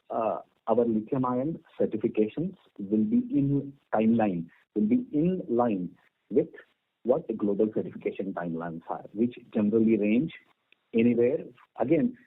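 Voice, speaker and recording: A man, a company executive giving measured, halting and formal answers to analysts on an earnings call. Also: medium pitch, big pitch swings, vocal fry, slightly rough. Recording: narrow tinny phone line.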